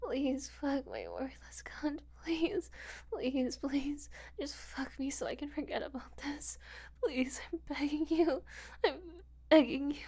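An actress plays a desperate, submissive woman in an adult audio drama. Her high voice is breathy and halting, drawn out as she pleads, often close to a whisper. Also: big pitch swings, mellow, full character voice. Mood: desperate, pleading.

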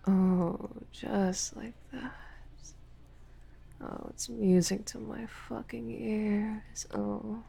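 A woman playing a dominant, taunting lover in an intimate audio roleplay, mostly in a husky whisper with a slow, commanding delivery. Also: mid-range voice, steady tone, warm tone, full character voice. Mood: teasing. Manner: slow, teasing, commanding, profane.

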